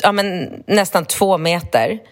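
A woman in her forties co-hosting a podcast, telling a story in casual chat, acting out the quotes and swearing freely. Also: lowish voice. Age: 40s. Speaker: podcast co-host.

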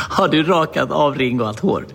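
A man's voice: a little high, gravelly, noisy background. A man, co-hosting a casual podcast. He reacts to a story with teasing disbelief and incredulous questions. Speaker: podcast co-host. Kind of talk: casual chat.

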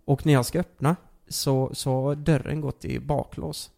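Young man, gravelly voice, casual storytelling, animated and swearing. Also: mid-range voice. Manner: animated, many fillers and swearing.

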